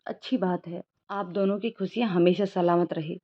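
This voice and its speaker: A woman reading the part of a young male doctor, a quietly heartbroken friend, asking gentle questions in a storybook narration. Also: on the low side, fairly even intonation, normal speed, natural voice. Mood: probing. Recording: dull lo-fi recording.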